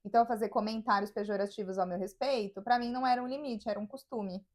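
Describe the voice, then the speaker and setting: A woman's voice: mid-range voice, fairly even intonation, fast. Brazilian woman telling a story on a podcast. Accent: Brazilian Portuguese. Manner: storytelling, acts out quoted voices. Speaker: podcast co-host. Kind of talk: casual podcast conversation.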